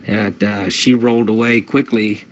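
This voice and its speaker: A man from Chicago brags deadpan on a comedy show, stumbling over restarts. The recording is muffled and lo-fi, with a faint hiss behind his voice. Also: fairly low pitch, moderate pace. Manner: deadpan boasting, stammering restarts. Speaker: co-host. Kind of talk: comedic banter.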